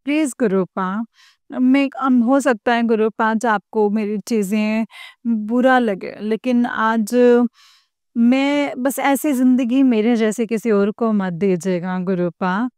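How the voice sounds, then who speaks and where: A woman's voice: a little high, slow, a little mellow, clean tone, no echo, clean studio sound. A woman on the verge of tears, pleading with her guru again and again in an emotional devotional talk to her followers. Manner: pleading, repetitive, addresses her guru directly. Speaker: devotional channel host addressing followers.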